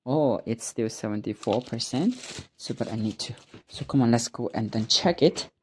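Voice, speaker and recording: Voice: medium pitch, moderate pace, slight background noise. Someone from Myanmar with a Burmese accent talks casually through tidying up at home, hesitating and searching for English words. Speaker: vlogger practicing spoken English. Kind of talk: casual narration while tidying up. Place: indoors at home.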